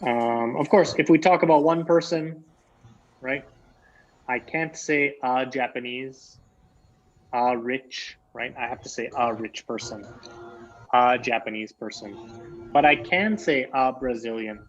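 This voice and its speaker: A man's voice: mid-range voice, measured pace, lo-fi sound, soft background music. A Canadian man teaching an English lesson online, patiently repeating key phrases for his students.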